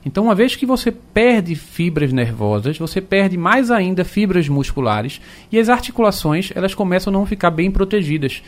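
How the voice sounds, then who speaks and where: A man, an orthopedic doctor explaining calmly on radio with plain comparisons. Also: high voice, moderate pace, few pauses.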